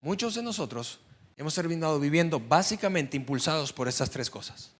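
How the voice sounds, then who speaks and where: A man delivers a sermon to his congregation in a conversational way, with a voice pitched a little above the usual for men. He speaks as if talking with each listener, then presses hard on the words he wants to stick. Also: expressive, a little fast. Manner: conversational preaching, rising to emphatic stress on key words. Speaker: pastor.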